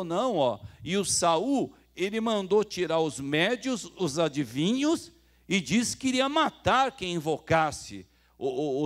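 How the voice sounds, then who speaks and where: A man preaching a sermon in a Brazilian Portuguese accent, telling stories and acting out the dialogue while speaking straight to the congregation. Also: on the high side. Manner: storytelling preacher who acts out quoted dialogue; addresses the congregation directly. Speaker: pastor.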